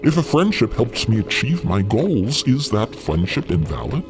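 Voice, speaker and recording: A man playing a gentle, dignified otherworldly being in an audio drama, speaking formally, earnestly and a little haltingly. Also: mid-range voice, sing-song, soft background music. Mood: hurt, dignified.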